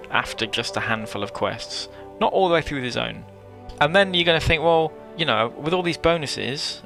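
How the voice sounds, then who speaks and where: A man hosts a gaming opinion video, making his case emphatically. His mid-pitched voice has a gravelly, creaky edge. Music plays clearly behind him. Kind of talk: opinion commentary on an online game.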